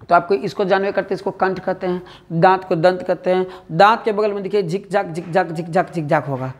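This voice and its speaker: Brisk and level in tone, this high-voiced male teacher speaks with a Bihari accent during exam-prep teaching. Again and again he repeats words and fires questions at the class to drill their answers, addressing the students as "dear".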